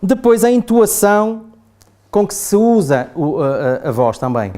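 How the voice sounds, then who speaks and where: A man's voice: high-pitched, sing-song, measured pace, dark tone. A man with a European Portuguese accent giving a chatty classroom talk to adults, often asking the group "não é?". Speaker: trainer. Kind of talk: classroom lecture.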